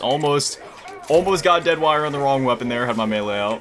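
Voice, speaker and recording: Noticeable background noise beneath lively intonation. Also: man. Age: 20s. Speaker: gaming youtuber. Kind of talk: gameplay commentary. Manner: casual, rambling with fillers.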